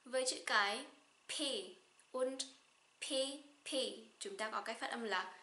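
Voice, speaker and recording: A young woman from Vietnam with a Northern Vietnamese accent, teaching a slow pronunciation lesson and saying each example word twice. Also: a little high, sharp tone, echoey room. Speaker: German teacher.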